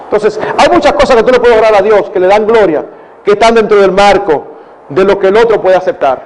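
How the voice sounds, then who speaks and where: High-voiced older Dominican pastor. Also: male voice, a little fast, low-quality recording. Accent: Dominican Spanish. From Dominican Republic. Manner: earnest, digressive, addresses audience as brothers. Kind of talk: conference Q&A talk.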